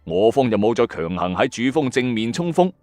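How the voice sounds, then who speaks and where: A man's voice: medium pitch, very animated, brisk, darkish tone, no room sound, faint music behind. A man with a Hong Kong Cantonese accent telling a scripted horror story in a dramatic, suspenseful, colloquial way.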